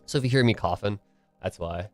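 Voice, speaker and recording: A young man with a fairly low voice talks loosely to his stream, slightly stuffy and nasal from a lingering cold. He rambles and restarts his sentences, his voice still a little tired from the morning. Faint music plays behind him. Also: fairly quick. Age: young adult. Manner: rambling, filler-heavy, restarts often. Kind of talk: casual solo chat to a live stream.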